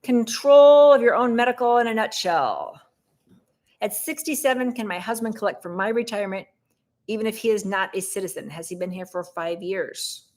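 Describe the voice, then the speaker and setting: A middle-aged woman hosting a casual live Q&A, answering viewer questions in a brisk, direct way. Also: mid-range voice, animated, darkish tone.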